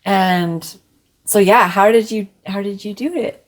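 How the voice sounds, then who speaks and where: A young woman co-hosting a casual chat, reacting with quick exclamations and then asking questions. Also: medium pitch, heavy background noise. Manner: reactive, expressive interjections and gasps.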